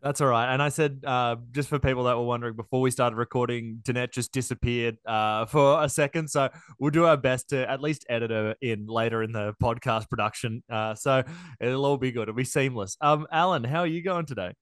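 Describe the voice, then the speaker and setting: A man's voice: mid-range voice, brisk, fairly bright tone, clear, resonant tone, no echo, clean studio sound. A man hosting a podcast, friendly and enthusiastic, with the odd filler. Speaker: podcast host.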